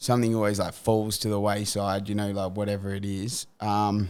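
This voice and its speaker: A man with an Australian accent speaks at a fairly low pitch. The recording is very clean, the background silent. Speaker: MMA fighter. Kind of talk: casual interview chat.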